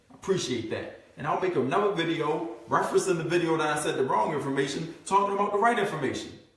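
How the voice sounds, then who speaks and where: Very fast, animated speech with lively intonation over noticeable background noise. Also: man, high pitch for a man, hardly any pauses. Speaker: sales team trainer. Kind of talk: training session. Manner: projects voice, confident.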